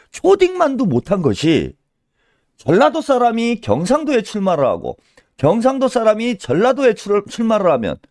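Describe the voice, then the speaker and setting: A male political commentator delivers a solo rant in a scolding tone. He hammers home rhetorical questions with a pushy "eh?", and his pitch leaps up and down dramatically. The sound is close and dry, with no room echo. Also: darkish tone.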